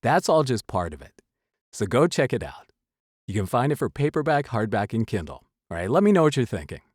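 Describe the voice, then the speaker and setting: Animated man giving motivational advice. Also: mid-range voice, no echo, studio quality. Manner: emphatic, dramatic pauses. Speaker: host, voice-over coach. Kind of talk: motivational talk to camera, semi-scripted advice.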